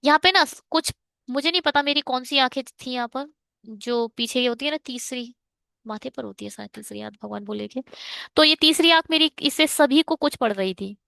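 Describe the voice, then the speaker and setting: A woman's voice: high-pitched, moderate pace, creaky, sharp tone, dry recording, studio quality. A woman teaching reasoning for bank exams in a chatty online lesson, mixing Hindi and English and ranting at exam setters.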